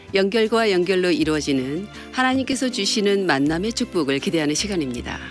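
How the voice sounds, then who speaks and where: Over music in the background, a woman talks at a moderate pace in a medium pitch, her voice making very wide pitch swings. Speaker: evangelist, radio/TV program host. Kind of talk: program opening by host.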